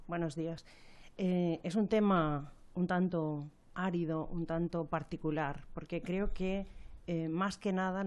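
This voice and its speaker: A woman with a lowish voice explains a health topic on the radio. She talks in a measured, didactic way, rephrasing herself and pausing on fillers. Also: darkish tone. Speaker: health professional collaborating on a radio segment.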